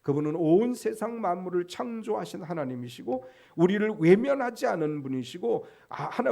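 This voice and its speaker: A man's voice: sits high, vocal fry, warm tone. A man preaching a sermon as pastor, quoting scripture and speaking with emphatic rises and drops.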